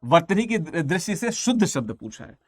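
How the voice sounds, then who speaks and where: A man's voice: high-pitched, big pitch swings, normal speed, dry recording, clean studio sound. A man teaching an online exam-prep language class, talking casually and repeating each answer several times.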